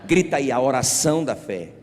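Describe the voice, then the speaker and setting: Emphatic pastor preaching in an echoing hall. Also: male voice, mid-range voice, lively intonation, moderate pace. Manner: emphatic, calls on the congregation to shout back; asks the crowd rhetorical questions. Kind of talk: sermon. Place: church sanctuary. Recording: reverberant church hall.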